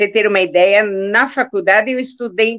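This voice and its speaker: With a normal speaking voice, a woman talks at a medium pitch and a moderate pace, her intonation lively. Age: 60s. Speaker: psychotherapist. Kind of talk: interview.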